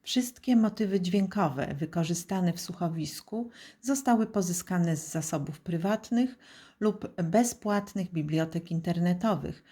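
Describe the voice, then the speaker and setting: Low, bright-voiced woman announcer. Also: unhurried, husky. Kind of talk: scripted announcement.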